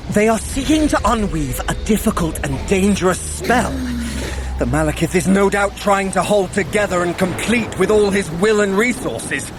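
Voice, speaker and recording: An actor playing a sly, eloquent trickster god in an audio drama, wry, articulate and theatrical. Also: male voice, high voice.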